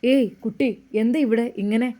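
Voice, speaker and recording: A woman voicing a young, gentle male Muslim cleric who asks soft, concerned questions. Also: on the high side, steady tone, normal speed, close to an everyday voice.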